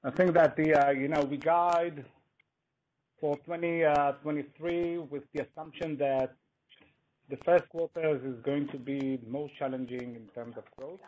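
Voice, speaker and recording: Exec guy on an earnings call, halting non-native english, muffled line w some clicks. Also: a little high, fairly even intonation, darkish tone. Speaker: company executive. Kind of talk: answering analysts on an earnings call.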